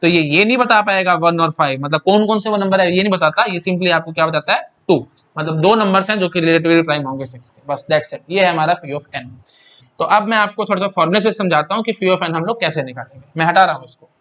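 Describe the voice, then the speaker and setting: A man's voice: high-pitched, fairly quick, a bit bright. A young Indian man teaching an exam-prep math lecture in mixed Hindi and English, chatty and repetitive, often asking and answering his own questions.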